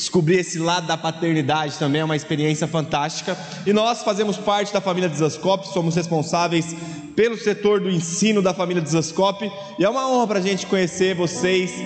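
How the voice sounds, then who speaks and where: Through noticeable background noise and audible room echo, a man speaks at a high pitch and fairly quick pace with ordinary pitch variation. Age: 20s. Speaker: guest preacher. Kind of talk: sermon.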